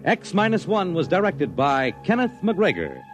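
A man speaking as a 1950s radio announcer, giving credits in a formal, crisp delivery on an old broadcast recording. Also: high voice, wildly swooping pitch, moderate pace, music in the background.

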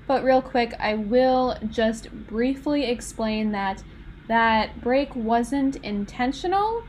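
A young woman with a Minnesotan American accent hosting a podcast as a candid, chatty, rambling and self-deprecating monologue. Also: on the high side. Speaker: podcast host. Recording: noticeable background noise.

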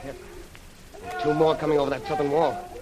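An actor playing a steady, practical young man defending a tower in a 1930s radio drama, brisk and level-headed. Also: on the high side, lightly acted. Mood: tense. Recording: hissy 1930s radio recording.

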